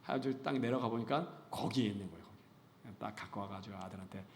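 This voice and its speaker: A middle-aged pastor preaching a sermon in a church. He is animated and playful, laughs through his points, rises to loud emphasis and drops to whispers. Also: fairly low pitch, fast talker, a little hiss or hum. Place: church sanctuary. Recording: roomy church echo.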